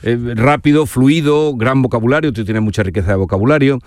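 A man's voice: medium pitch, fast, darkish tone, dry recording, studio quality. Radio host man prompting his guest. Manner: prompting, finishes the guest's sentences. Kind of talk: casual interview.

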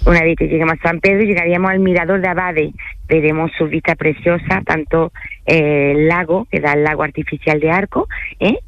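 A woman's voice: low-pitched, steady tone, brisk, no room sound. A middle-aged woman from France, a native French speaker, talks as a tour guide in a radio interview. She hesitates often and keeps checking in with little tags. The sound is dull and dry, like a radio broadcast. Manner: hesitant, many fillers and "¿vale?" tags. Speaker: tour guide and tourism company manager.

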